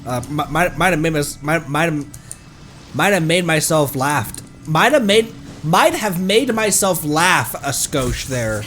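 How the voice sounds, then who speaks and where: A man's voice: fairly high pitch, lively intonation, unhurried, fairly bright tone, faint music behind. A man streaming a game, laughing and poking fun at himself as he plays. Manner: laughing, self-mocking. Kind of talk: casual gameplay commentary.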